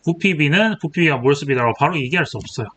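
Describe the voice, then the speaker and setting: Male tutor in his twenties, exam walkthrough, slightly higher pitch, constant check-ins, faint hiss on the recording. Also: lively intonation, normal speed, a bit bright. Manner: checks in constantly with rhetorical questions; self-correcting, thinking aloud while writing. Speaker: chemistry tutor. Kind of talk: exam problem walkthrough lecture.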